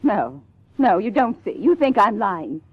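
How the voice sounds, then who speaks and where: Faded stage actress , female performer: theatrical, lovelorn, husky and widely swooping, in a dull lo-fi radio mystery. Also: mid-range voice, very animated, dry recording. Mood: passionate, defensive. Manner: theatrical, halting with emphatic repetition. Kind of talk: 1950s detective radio play acting. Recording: lo-fi radio drama, faint music.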